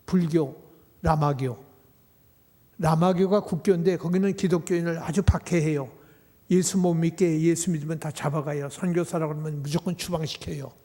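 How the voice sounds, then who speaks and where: A man's voice: a little high, fairly even intonation, moderate pace, warm tone. A man, a pastor, preaching a sermon and putting rhetorical questions to his congregation. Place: church sanctuary. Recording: long hall reverb.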